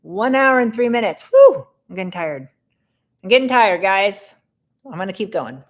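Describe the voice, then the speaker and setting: A middle-aged woman hosting a casual live Q&A, answering viewer questions in a brisk, direct way. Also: mid-range voice, very animated.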